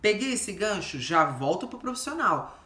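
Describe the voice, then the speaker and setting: A woman with a Brazilian Portuguese accent, giving casual advice as a host in an animated, chatty way and acting out quick bits of what clients say. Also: medium pitch, reverberant.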